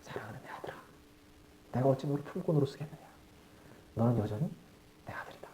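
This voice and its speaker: A man voicing a tender old father, hushed. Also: mid-range voice, big pitch swings, a little fast, slight background noise, voice pushed down. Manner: soft, hushed, near whispering. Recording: echoey, dull live church sound.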